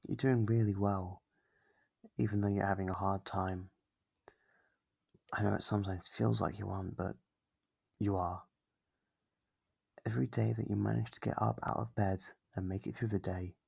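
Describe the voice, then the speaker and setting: A man playing a kindly, apologetic sleep paralysis demon in a soft ASMR roleplay, speaking gently and hesitantly in a low, gravelly, husky voice. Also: fairly even intonation, moderate pace, long pauses, exaggerated voice. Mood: encouraging, tender. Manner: soft-spoken, hesitant, reassuring.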